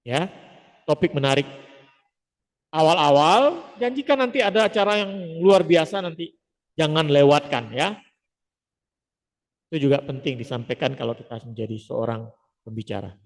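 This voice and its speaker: A man teaching public speaking in a lively, emphatic lecture style, often dropping short "ya" asides to the audience. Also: on the high side, moderate pace, long pauses, in a large hall.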